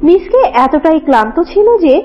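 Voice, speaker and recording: A woman's voice: high voice, big pitch swings, brisk. A woman narrating a scripted cartoon story. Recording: dull lo-fi audio, music behind.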